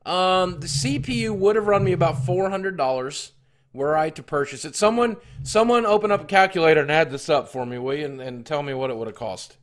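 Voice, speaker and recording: A man talks casually to his live-stream viewers in a slightly high voice. He reads messages and tallies prices aloud, stopping often for ums and uhs. Now and then he clears his throat while chewing cough drops. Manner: reads chat and tallies costs aloud, halting with fillers.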